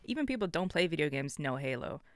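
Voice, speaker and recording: Female, smooth clear voice, animated pitch, dry close sound, blunt casual chat. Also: fast talker, no room sound. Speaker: gaming podcast panelist.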